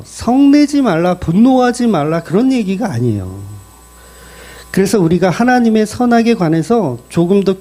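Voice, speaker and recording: Male pastor joking through a sermon, high pitched voice, asks the crowd lots of questions. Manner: lively, joking preacher with rhetorical questions to the congregation.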